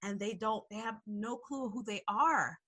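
A woman's voice: medium pitch, a little slow, husky. A woman hosting a podcast, chatting casually and enthusiastically with her guest. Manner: enthusiastic, gets excited and laughs. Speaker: podcast host and hygienist coach. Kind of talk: casual podcast interview chat.

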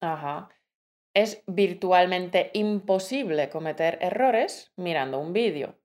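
A woman co-hosting a language lesson, speaking clearly and deliberately and calling the listener an endearment. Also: on the low side, lively intonation, a little mellow. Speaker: language teacher, co-host.

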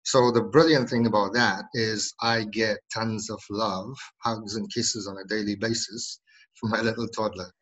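A man's voice: on the low side, steady tone, moderate pace, fairly bright tone, rough recording. Chatty man in his forties, laughing. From South Africa. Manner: chatty and jokey, laughs often, many ums. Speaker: podcast guest. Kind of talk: casual interview chat.

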